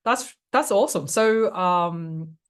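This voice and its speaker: A woman's voice: on the low side, lively intonation, slow pace, clean tone. A woman hosting an interview, asking curious questions and giving short agreeing replies in casual chat. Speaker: interview host.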